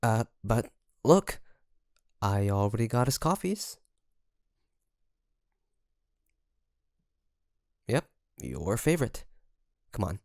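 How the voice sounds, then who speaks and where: A man acts out a young male best friend in an intimate roleplay, caring but nervous. His voice is gravelly at the edges and very dry and close. He speaks slowly and haltingly, as if to one listener. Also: lowish voice, big pitch swings, no echo. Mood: nervous, friendly. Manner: hesitant, halting, soft nervous chuckles. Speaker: voice actor.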